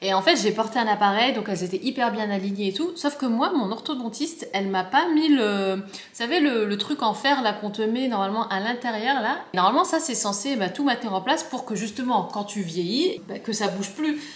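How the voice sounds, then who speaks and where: With noticeable background noise behind her, a woman with a fairly high voice talks at a fairly quick pace with lively intonation. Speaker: lifestyle vlogger. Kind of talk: casual vlog talk to camera. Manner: chatty, many fillers.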